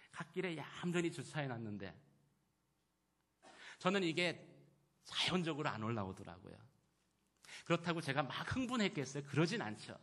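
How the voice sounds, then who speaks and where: A man with a bright voice delivers a sermon in a church. He swings between loud, emphatic declarations and quiet, personal storytelling. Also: a little high. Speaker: pastor. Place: church sanctuary.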